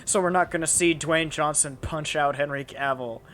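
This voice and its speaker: A man's voice: a little high, moderate pace, a bit bright. A young man hosting a casual chat, rambling with lots of fillers and restarts. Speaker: channel host.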